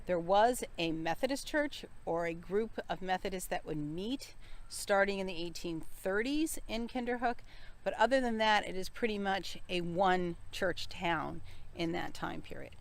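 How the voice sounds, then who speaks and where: An American woman leading a walking tour outdoors on a village street, explaining as she goes with asides and self-corrections. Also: medium pitch. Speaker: tour guide.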